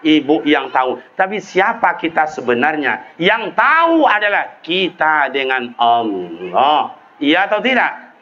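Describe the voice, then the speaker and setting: A man preaching a sermon to a gathering, firing off rhetorical questions and leaping up high in pitch. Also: sharp tone, dull audio, slight background noise.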